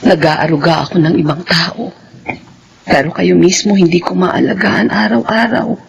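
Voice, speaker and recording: An actress playing a humble housemaid and mother who gives up time with her own children, speaking softly and deferentially. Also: fairly low pitch, fairly even intonation, normal speed, gravelly, a little hiss or hum. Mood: apologetic. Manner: soft, deferential, pleading.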